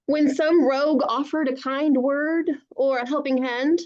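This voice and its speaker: A woman reading a storybook aloud to children over a video call, with animated narration and encouraging, chatty asides, in dull lo-fi sound. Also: high-pitched, unhurried. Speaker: children's author reading own book aloud.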